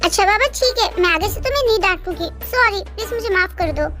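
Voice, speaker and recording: Woman reading a gentle, coaxing caretaker, very high. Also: quick pace, music in the background. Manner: coaxing, patient, mildly scolding. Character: gentle caring young woman, softly scolding. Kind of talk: storybook reading with voices.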